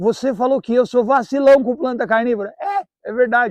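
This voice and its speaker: A quiet, animated man's voice with a dry, close sound and no echo. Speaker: YouTuber teaching carnivorous plant care. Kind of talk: tutorial. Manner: normally loud, speaking quieter on purpose.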